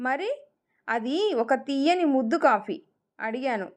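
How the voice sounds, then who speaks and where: A playful, affectionate young husband teases his wife in a storybook reading, voiced by a woman. The voice sits high for a man, light and fond rather than gruff. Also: animated, a little slow. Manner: teasing, affectionate.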